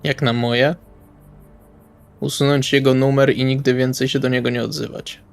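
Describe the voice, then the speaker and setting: A man's voice: mid-range voice, little pitch movement, normal speed, vocal fry. A man playing a tabletop role-playing game, improvising dialogue in a casual, wry, colloquial way. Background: music.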